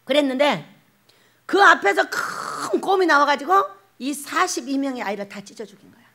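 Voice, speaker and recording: A woman's voice: high-pitched, normal speed. A woman pastor, preaching a sermon and acting out the voices she quotes. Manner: animated, acts out quoted voices, laughs often.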